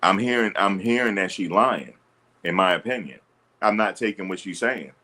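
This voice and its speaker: A man with a very low, deep voice talks straight into his streaming mic. He answers his chat bluntly and sounds sure of himself, assertive and ready to push back. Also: normal speed, sharp tone. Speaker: livestream host. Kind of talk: livestream commentary answering chat. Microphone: streaming setup.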